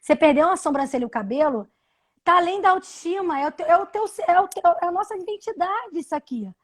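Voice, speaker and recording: A woman in her thirties telling a personal story on a live video call, halting, with many restarts and repeated words. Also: very high voice, animated. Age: 30s. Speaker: interview guest. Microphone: video call from home.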